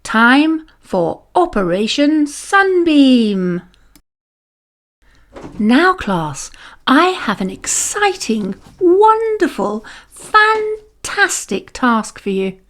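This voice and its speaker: A woman's voice: high-pitched, big pitch swings, drawn-out words, fairly bright tone, pitched above the performer's own voice, exaggerated voice. A woman voicing a cheerful, encouraging primary school teacher in a storybook, stretching words for emphasis. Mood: excited, encouraging.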